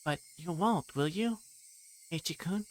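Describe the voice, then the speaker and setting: A man voicing a menacing teenage girl from a horror visual novel, with a pointed, softly threatening manner. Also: fairly high pitch, unhurried, a little hiss or hum, pitched above the performer's own voice, natural voice, rough recording. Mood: quiet menace.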